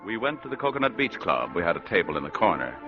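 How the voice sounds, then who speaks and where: A man with a low voice plays a hard-boiled private detective in a vintage radio drama, narrating quickly with big pitch swings and dry, sardonic wisecracks. It's 1940s-style radio acting, heard through a muffled old broadcast with music.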